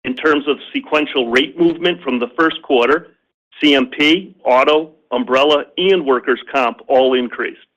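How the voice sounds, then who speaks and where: A man's voice: medium pitch, normal speed, fairly bright tone. Slightly dull, lo-fi conference-call sound carries a man's mid-range voice. He is a company executive presenting segment results from a script, reading in a formal and businesslike manner. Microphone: conference call line.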